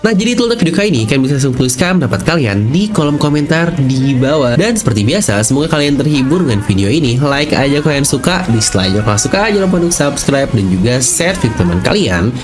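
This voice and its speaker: A man's voice: medium pitch, very animated, quick pace, few pauses, music in the background. An Indonesian man hosting an anime theory video, chatty and playful as he narrates with casual slang and talks straight to viewers. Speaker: YouTube channel host.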